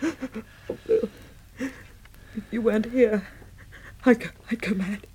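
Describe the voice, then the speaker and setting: An actress playing an anxious, fragile catastrophe survivor in a 1960s radio drama, hesitant and pleading. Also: female voice, on the high side, slow, a little mellow. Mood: frightened. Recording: noisy old radio drama recording.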